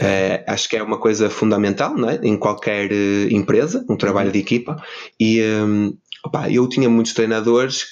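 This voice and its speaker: This is an unremarkable speaking voice. It keeps a moderate pace and fairly even intonation. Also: man. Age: 40s. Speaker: podcast guest. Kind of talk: casual chat.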